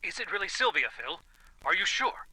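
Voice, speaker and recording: A man's voice: high-pitched, very animated, moderate pace, sharp tone, full character voice, poor audio. An actor playing a worried, fretful male client in an old-time radio noir drama, speaking hesitantly. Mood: anxious.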